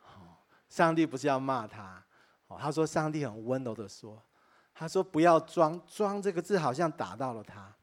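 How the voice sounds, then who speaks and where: A man preaches a sermon to his congregation, his voice sitting a little high for a man. He tells stories with earnest feeling and exclaims in wonder along the way. He often speaks straight to his listeners as dear friends. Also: expressive, normal speed. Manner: addresses listeners directly and warmly as dear friends. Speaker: pastor. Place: church, preaching to a live congregation.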